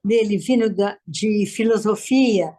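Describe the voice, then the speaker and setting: A woman's voice: mid-range voice, unhurried, mellow. A Brazilian woman asking and commenting in a reflective, casual conversation. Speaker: participant questioning and commenting to guests.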